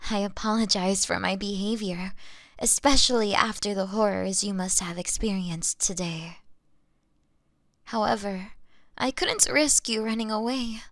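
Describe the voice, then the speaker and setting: A woman playing a young vampire in an intimate audio roleplay, refined, gentle and apologetic, speaking in formal, polite, deliberate phrases. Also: medium pitch, no room sound, studio quality. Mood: apologetic, courteous. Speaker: audio drama performer.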